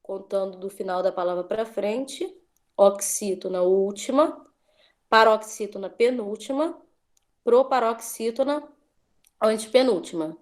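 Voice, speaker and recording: A woman's voice: medium pitch, measured pace. A woman teacher giving an online class, patiently drawing out words as she drills syllables.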